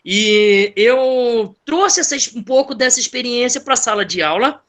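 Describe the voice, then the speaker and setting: A man's voice: very high voice, expressive, unhurried, fairly bright tone. A male school music teacher sharing a classroom experience with other teachers, with many fillers and restarts.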